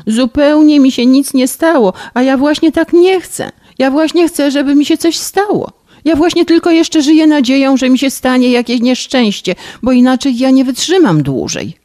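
A woman voicing a pampered, distraught young woman who pleads in a high, tearful voice in an audiobook reading. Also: animated, measured pace, hardly any pauses, darkish tone. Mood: tearful, exasperated.

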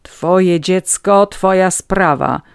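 A reader doing a haughty older lady of the manor, cold and dismissive. She is read at a slow, measured pace in a dry, close audiobook recording. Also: medium pitch, vocal fry, clear, resonant tone, dry recording, voice pushed up. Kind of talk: audiobook reading.

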